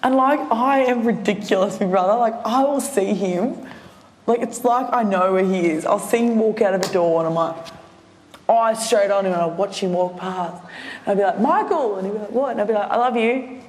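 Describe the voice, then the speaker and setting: A woman's voice: mid-range voice, moderate pace, echoey room, long reverb tail. A woman, a reality show contestant, gushing in a chatty, casual confession.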